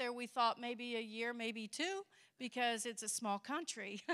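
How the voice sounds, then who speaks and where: A woman with a Southern US accent talks at a moderate pace in a bright, sharp, high-pitched voice with fairly even intonation. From US South, Kentucky. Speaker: missionary. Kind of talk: testimony. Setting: church.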